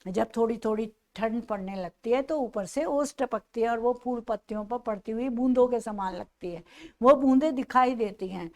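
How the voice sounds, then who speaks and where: A woman with a somewhat high voice teaches a poetry lesson. She restates each verse in plainer words, circling back over the same point. She often turns to her students with rhetorical questions. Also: normal speed. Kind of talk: classroom lecture explaining a poem.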